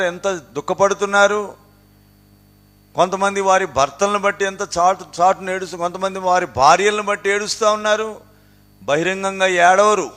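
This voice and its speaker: A man with a Telugu accent preaches with fervor, his voice sitting a bit high. He drops to soft, low stretches and then surges into loud, emphatic runs. He keeps repeating his rhetorical questions to drive each point home. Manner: swings between low quiet passages and raised emphatic outbursts. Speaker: pastor. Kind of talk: sermon.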